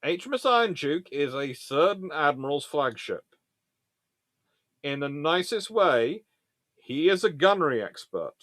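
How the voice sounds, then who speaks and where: A man's voice: a little high, sing-song, measured pace, a bit bright, dry recording, clean studio sound. A man hosting a naval history show, reading aloud from books and chatting informally as he reviews them and answers questions.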